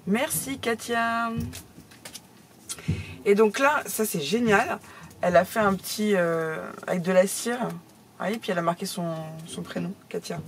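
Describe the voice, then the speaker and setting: A middle-aged woman chatting casually to her viewers as she opens fan mail, talkative and quick to laugh. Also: mid-range voice, slight background noise. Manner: chatty, laughs often, exclaims. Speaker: craft YouTuber opening fan mail. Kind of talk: casual chat to camera.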